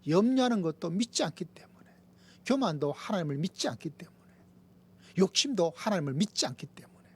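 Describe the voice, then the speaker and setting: A man preaches as pastor in a church sanctuary, his voice sitting a little high for a man. He drives his points home with repeated lists. He sinks into near-whispers before rising again. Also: lively intonation, fairly quick, slightly rough. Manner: emphatic preaching, swinging from raised lines to hushed whispers. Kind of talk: sermon.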